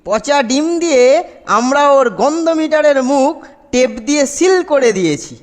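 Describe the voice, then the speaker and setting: Very high-pitched young schoolboy. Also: male voice, expressive, moderate pace. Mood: accusing. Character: earnest, aggrieved young schoolboy. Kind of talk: children's cartoon dubbing. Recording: long reverb, faint music.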